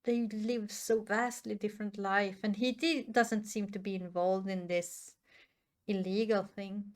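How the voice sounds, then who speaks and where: A woman's voice: mid-range voice, steady tone, unhurried. A woman whose first languages are Swedish and Norwegian, hosting casual reaction commentary and thinking aloud with many restarts. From Sweden or Norway. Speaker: reaction channel host.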